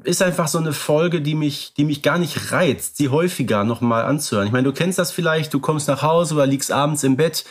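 Male podcast co-host, calm and measured, with dry irony. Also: fairly high pitch. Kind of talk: casual podcast discussion.

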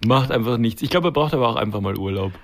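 A man co-hosting a podcast, relaxed and joking as he tells an anecdote in casual chat. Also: medium pitch, fast.

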